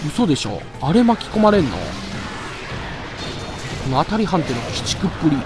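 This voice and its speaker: A man giving excitable live gameplay commentary, loudly taunting and grumbling at the monster he is fighting. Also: a little high, normal speed. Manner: excitable, trash-talks the monster with rough taunts. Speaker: let's play commentator. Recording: loud game music behind voice. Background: game music.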